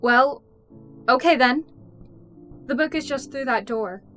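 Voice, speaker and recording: Woman acting a serious deadpan spy lady, kinda high voice, wry and guarded, audio drama. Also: slow, faint music behind. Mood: insistent, questioning. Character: dry, guarded, serious female wartime spy.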